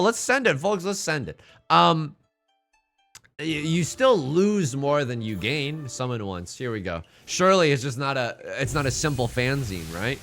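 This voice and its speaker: Animated, wisecracking streamer guy, worn out. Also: a little high. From born in China, raised in the United States. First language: Mandarin Chinese. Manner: quick, joking and profane, talking to chat. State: exhausted. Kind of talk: casual livestream commentary while playing a game. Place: home streaming setup.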